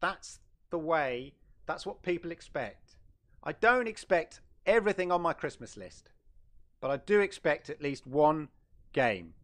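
A man's voice: fairly high pitch, animated, measured pace, a bit bright. A middle-aged man hosting a casual gaming livestream, chatting loosely and often correcting himself. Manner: rambling, chatty, self-correcting. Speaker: gaming channel host.

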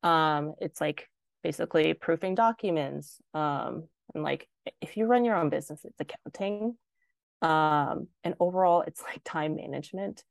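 A woman's voice: low voice, moderate pace, vocal fry, dry recording. A young woman, a designer and podcast guest, chatting casually and filling her talk with "like". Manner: chatty, heavy use of "like". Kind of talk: casual interview chat.

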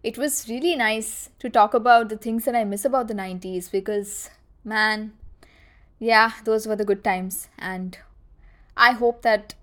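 Higher-pitched South Asian woman podcasting casually. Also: a little slow, a bit bright. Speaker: podcast host. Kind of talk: casual solo podcast, reminiscing.

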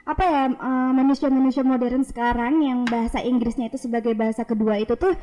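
A woman's voice: fairly high pitch, steady tone, fast talker, mellow, rough recording. A young woman chats casually in a valley-girl-like slangy manner, mixing in English fillers and question tags.

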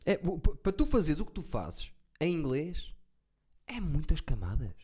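A man's voice: fairly high pitch, wildly swooping pitch, normal speed, dark tone, husky. A man with a European Portuguese accent, interviewing in a casual, informal chat.

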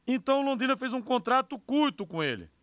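A man's voice: very high-pitched, big pitch swings, quick pace, fairly bright tone, smooth, no echo. A man with a Brazilian accent hosting live sports talk on the radio, emphatic with conversational asides. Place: radio studio.

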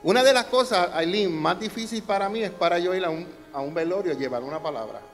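A man's voice: sits high, fast talker. A man preaching a sermon as pastor, asking the congregation questions and building emphasis. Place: church hall. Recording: long hall reverb with faint music.

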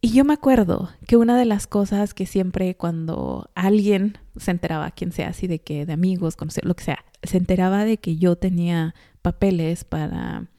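A woman's voice: lowish voice, moderate pace, hardly any pauses, warm tone, no room sound, clean studio sound. A young woman with a Mexican accent, hosting a podcast, talking casually in a rambling way full of fillers. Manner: chatty, rambling with many fillers and laughs. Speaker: podcast host. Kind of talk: casual monologue. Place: home in Chicago.

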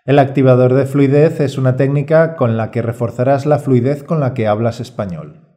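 Male Spanish teacher, co-host, warm dark tone, calm scripted read. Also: mid-range voice, normal speed. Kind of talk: scripted course presentation.

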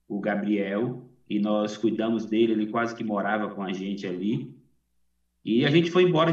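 A middle-aged man from Salvador, Brazil, a missionary pastor speaking in a chatty, warm way with self-deprecating humor. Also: fairly low pitch, recorded from a distance. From Salvador, Bahia, Brazil. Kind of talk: sermon over video call. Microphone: video call. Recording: dull, echoey video call from afar.

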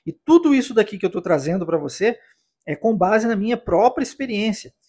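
Husky, high-voiced Brazilian teacher. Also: male voice, lively intonation, brisk, darkish tone. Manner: encouraging, explanatory, frequent tag questions. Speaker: English teacher and podcast host. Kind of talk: podcast lesson addressing listener.

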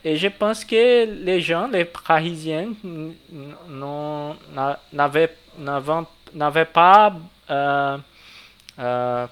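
Smooth-voiced Brazilian podcast host. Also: medium pitch, fairly bright tone. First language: Portuguese. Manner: hesitant in French, fluent and brisk in Portuguese. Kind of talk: podcast hosting, casual interview.

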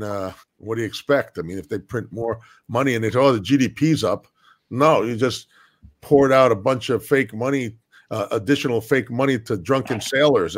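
A man talking as a guest in a casual chat, a blunt storyteller who swears freely and fills his speech with "uh" and restarts. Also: lowish voice. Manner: many fillers and restarts. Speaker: podcast guest.

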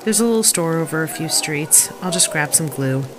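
A reluctant young partygoer in an audio drama, her voice slightly low. She grumbles wryly and runs herself down, with music clearly playing behind her. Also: lively intonation, normal speed, poor audio. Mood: firm, annoyed. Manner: wry, grumbling. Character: sulky, self-deprecating young woman, reluctant partygoer. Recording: loud music bed behind the voice.

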